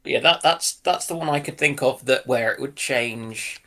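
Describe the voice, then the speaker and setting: A man's voice: mid-range voice, moderate pace, pushed and bright. A man chatting casually as a panelist, musing tentatively and often putting his points as questions. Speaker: co-panelist in discussion. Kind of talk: casual speculative chat.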